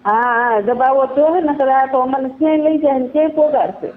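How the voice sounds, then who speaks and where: A woman's voice: high-pitched, normal speed. A woman with a Kathiawadi Gujarati accent giving an informal personal account on a phone call, in colloquial rustic phrasing. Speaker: caller telling their own story. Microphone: telephone line. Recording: tinny narrowband phone call recording.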